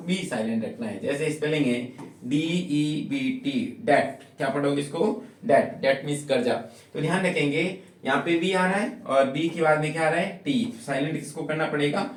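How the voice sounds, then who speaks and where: Teacher echoing from afar, quizzing the class. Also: male voice, a little high. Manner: repeats rules, asks the class questions and answers them himself. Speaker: English teacher. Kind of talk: classroom spelling lesson. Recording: echoey room, voice from far off.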